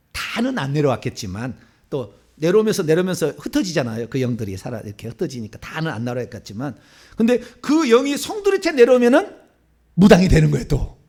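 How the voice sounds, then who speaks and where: A man in his fifties from Seoul, a pastor preaching a sermon in church, asking the congregation rhetorical questions and chuckling in asides. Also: fairly high pitch. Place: church sanctuary.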